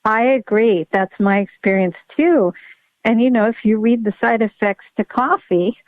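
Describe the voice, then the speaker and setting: A woman's voice: on the high side, moderate pace, dry recording. A middle-aged woman, a pediatric neurologist, explaining with enthusiastic emphasis in a podcast interview. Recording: tinny phone-like line, dry.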